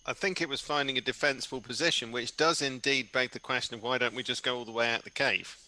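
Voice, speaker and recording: Bright-voiced wry player. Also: male voice, mid-range voice, fairly even intonation, fast, no echo, low-quality recording. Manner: wry, dry and wordy. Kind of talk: in-character table talk.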